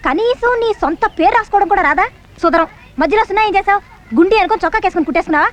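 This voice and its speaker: A stern, scolding schoolteacher. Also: female voice, extremely high pitch, racing. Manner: scolding, curt. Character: stern young female schoolteacher, sharp-tongued. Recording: dull film soundtrack with music.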